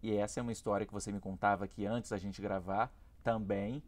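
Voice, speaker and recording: Man, lowish voice, TV host, friendly questions, scripted links. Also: steady tone, brisk. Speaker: TV show host. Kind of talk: interview hosting.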